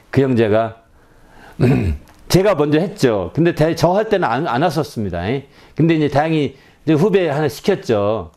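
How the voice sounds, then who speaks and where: A middle-aged male pastor giving a revival sermon in a conversational style, often checking in with the congregation and rising to loud cries at emotional peaks. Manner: conversational preaching with frequent "예?" check-ins to the congregation; rises to loud high-pitched cries when acting out repentance.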